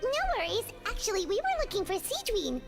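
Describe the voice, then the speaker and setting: A woman's voice: extremely high pitch, very animated, fairly quick, full character voice. A woman voicing a small, chirpy, childlike companion creature in a video game. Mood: bubbly, curious. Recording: loud game music behind.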